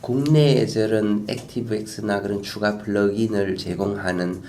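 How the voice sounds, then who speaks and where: A middle-aged man, a guest expert, explaining in an animated way on a talk show, with quiet asides and emphatic bursts. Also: fairly low pitch, a little slow, slight background noise.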